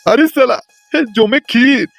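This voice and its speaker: A man's voice: extremely high pitch, lively intonation, normal speed, creaky, fairly bright tone, soft background music, exaggerated voice. A man voicing a gluttonous, self-satisfied old grandfather in a comedy cartoon. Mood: greedy, gloating.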